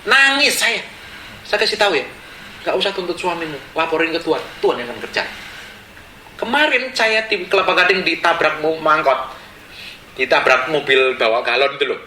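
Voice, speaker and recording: A pastor, preaching with animated storytelling and acting out the people in his stories. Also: fairly high pitch, normal speed, slight background noise. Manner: animated, acts out quotes and laughs along. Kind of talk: storytelling sermon. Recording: echoey room with faint ambience.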